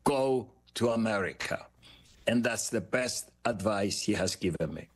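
An older man with a Greek Cypriot accent, a guest author telling his life story in an interview, measured and reflective, pausing often on "uh". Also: lowish voice, expressive. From Cyprus. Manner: measured, reflective, frequent "uh" pauses.

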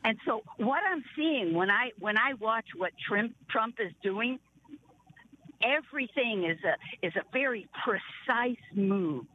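An older woman calling in to a radio show, earnest and a bit halting, who stops and restarts her thoughts. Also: a little high, lively intonation. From northern Illinois. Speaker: caller. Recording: tinny phone line with faint noise.

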